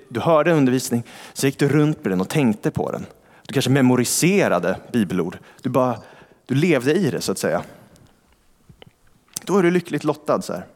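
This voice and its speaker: A male pastor giving a sermon in a church, with a conversational style, asking rhetorical questions and reading scripture slowly. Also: mid-range voice. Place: large church hall. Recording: long church reverb.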